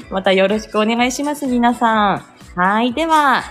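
A woman's voice: a little high, measured pace, faint music behind. A middle-aged woman from Aomori, a speech therapist, chatting casually on a morning livestream and answering listener comments, with lots of fillers and laughs.

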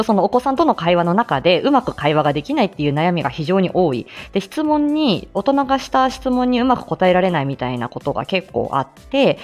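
A speech-language therapist with a medium-pitched voice chats casually on her own live stream, her speech full of fillers and little laughs.

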